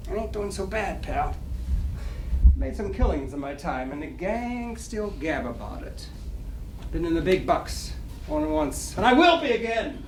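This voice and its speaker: A man's voice: on the high side, very animated, unhurried. Man acting boastful Broadway gambler, roomy distant recording. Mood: confiding, swaggering. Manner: slangy, chuckling, garrulous. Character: boastful middle-aged small-time Broadway gambler, folksy wisecracker. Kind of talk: dramatic stage reading of 1920s American play. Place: library reading room, live reading. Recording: roomy, distant, faintly noisy live recording.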